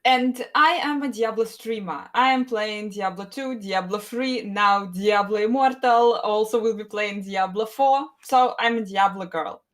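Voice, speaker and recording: A woman's voice: medium pitch, measured pace, few pauses. A woman from Russia, a native Russian speaker with a Russian accent, talking as a guest on a gaming podcast in short, simple sentences. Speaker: guest streamer. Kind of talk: casual podcast chat.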